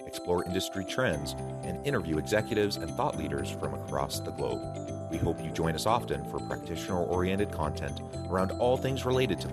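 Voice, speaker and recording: A man hosting a podcast interview, reading the guest's bio formally and with enthusiasm. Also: low voice. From United States. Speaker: podcast host. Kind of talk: podcast interview with scripted intro.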